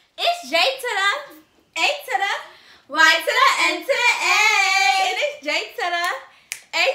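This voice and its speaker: The voice is raised and projected, and the pace is very slow. Room echo is audible. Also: woman. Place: home room. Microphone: camera far.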